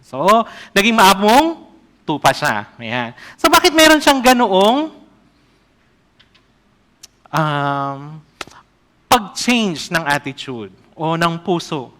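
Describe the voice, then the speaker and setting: A man preaching a sermon as an evangelist, often asking the congregation questions and reading scripture aloud slowly. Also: a little high, big pitch swings, a bit bright.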